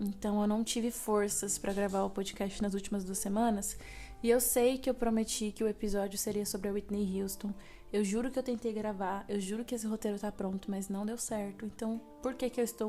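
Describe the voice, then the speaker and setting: This woman's voice sits at a medium pitch. Her intonation is flat and monotone. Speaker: podcast host. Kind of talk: casual monologue. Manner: fast.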